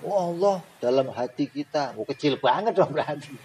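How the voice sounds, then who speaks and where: A man teaching Islamic theology, animated, with rhetorical questions and joking asides. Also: fairly high pitch, normal speed, a little hiss or hum, rough recording. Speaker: religious teacher.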